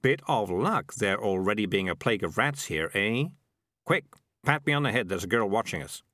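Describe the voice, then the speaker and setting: A man's voice: on the low side, expressive, moderate pace, a bit bright, dry recording, studio quality. A man voicing a sly, money-minded talking cat who grumbles and cajoles in a storybook reading. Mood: grumbling.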